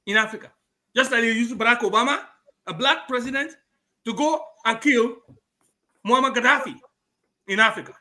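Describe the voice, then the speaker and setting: A man's voice: high-pitched, pushed and bright. A man with a Yoruba accent from Nigeria, a guest on a talk show, talking emphatically and switching between Yoruba and English. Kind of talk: political talk show discussion.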